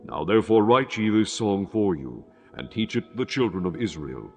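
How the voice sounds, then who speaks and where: Male scripture narrator, lowish pitch, formal and measured, solemn scripted read over soft music. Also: very animated.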